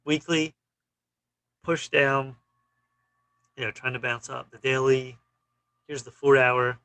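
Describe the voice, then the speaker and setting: Gravelly, bright-voiced trading vlogger. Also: male voice, medium pitch, steady tone, slow, no echo, low-quality recording. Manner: clipped, fragmentary phrases with frequent "you know". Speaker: stock trading channel host. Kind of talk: casual chart commentary.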